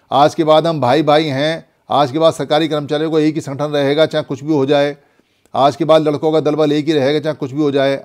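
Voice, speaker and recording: A man's voice: fairly high pitch, a little mellow. A man from India giving a spoken Buddhist lesson, preaching with many repeated rhetorical questions. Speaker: Buddhist teacher.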